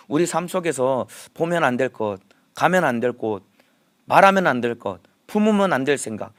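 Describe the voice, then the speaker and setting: Fervent Gyeongsang-accented pastor, higher voice. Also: male voice, dry recording. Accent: Gyeongsang Korean. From Gyeongsang region. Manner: emphatic preaching, leads the congregation in repeated phrases. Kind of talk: early morning sermon.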